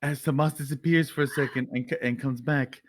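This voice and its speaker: A man narrating as game master of a tabletop role-playing game, in a relaxed, chatty way. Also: mid-range voice, a little fast.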